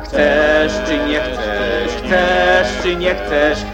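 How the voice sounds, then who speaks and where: Playful storybook singer, radio play; lilting, very slow verse over prominent music. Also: male voice, fairly high pitch, rough recording.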